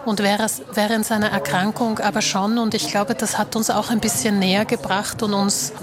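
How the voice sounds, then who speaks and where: A woman's voice: mid-range voice, level tone, moderate pace, crowd noise. Thoughtful Slovak-born woman author. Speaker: author, interview guest. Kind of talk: radio interview answers.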